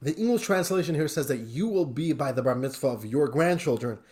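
Man, rabbi type leading a class, higher voice, very lively pitch, storytelling. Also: fairly quick. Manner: animated, conversational, with rising emotional emphasis. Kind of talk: Torah class lecture with storytelling.

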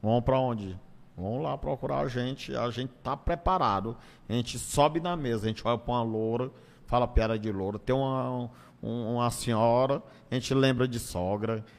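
With a gravelly mid-range voice and a moderate pace, a stand-up comedian from northeastern Brazil tells stories casually as an interview guest. He keeps it colloquial, acting out bits and repeating phrases, while a long hall-style reverb fills the sound.

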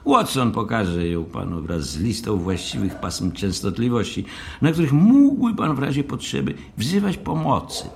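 A haughty, pedantic hotel manager in a dramatised audiobook. His delivery is formal and fussy, with lively swings of pitch and some creak in the voice. Faint background noise sits underneath. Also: moderate pace. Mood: formal, curt. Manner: formal, fussy, long-winded.

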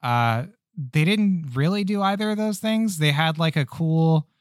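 A man co-hosting a podcast, chatting casually about game demos in a relaxed, rambling way with plenty of fillers. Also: on the high side, measured pace, smooth, no room sound, clean studio sound. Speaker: podcast co-host.

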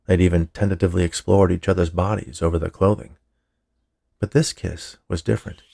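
A man's voice: low-pitched, fairly even intonation, fairly quick, vocal fry, mellow. A man narrating a scripted fiction story as a podcast storyteller. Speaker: writer, narrator and podcast host.

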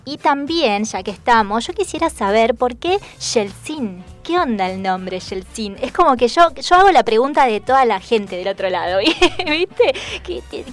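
A woman, co-hosting a radio chat show in a chatty, playful way and laughing easily. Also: a little high. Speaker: radio co-host.

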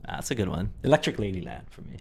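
A man's voice: on the low side, big pitch swings, fast, vocal fry, a little hiss or hum. A man hosting a podcast, chatting playfully, laughing often and asking questions. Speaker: podcast host. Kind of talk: casual chat.

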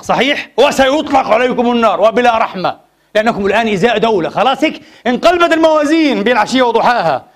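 A man preaching a Friday sermon in a mosque, impassioned and full of rhetorical questions to the congregation. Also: extremely high pitch.

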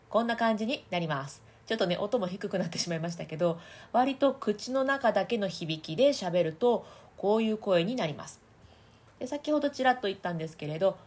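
A woman hosts a casual voice-training podcast. Her voice is breathy and a touch husky, with a lively, swinging pitch. She chats freely, laughs often and slips into demonstration voices. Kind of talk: casual audio podcast talk.

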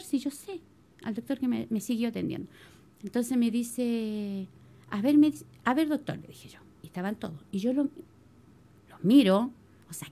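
Middle-aged Chilean churchwoman, lively testimony storyteller, fairly high, warm tone. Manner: animated storytelling, addresses listeners as brothers. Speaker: church member giving testimony. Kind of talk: spoken religious testimony.

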